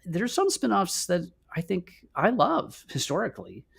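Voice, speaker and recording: A man chats casually as a podcast co-host. His pitch moves around a lot, making him sound animated. He talks haltingly, circling back to qualify and correct what he just said. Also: creaky, husky. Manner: halting, self-correcting, hedging. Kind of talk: casual chat.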